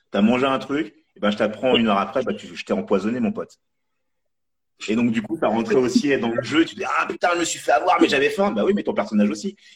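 A man talks very fast at a medium pitch. His pitch swings very widely. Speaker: film director. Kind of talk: interview. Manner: hesitant.

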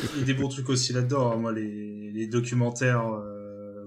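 A man's medium-pitched voice comes through in a monotone, flat intonation with audible room echo. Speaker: music podcast host. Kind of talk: casual chat.

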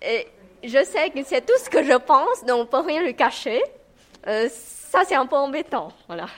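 A woman in a Vietnamese accent, high-pitched, with very wide pitch swings and a fairly slow pace. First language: Vietnamese (speaking French). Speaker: baptism candidate. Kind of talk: testimony. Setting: church.

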